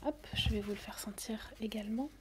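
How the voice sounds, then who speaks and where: A woman whispering softly as a perfume saleswoman in an ASMR roleplay, hesitating with many fillers. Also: mid-range voice, fairly quick, background noise. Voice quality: soft whisper.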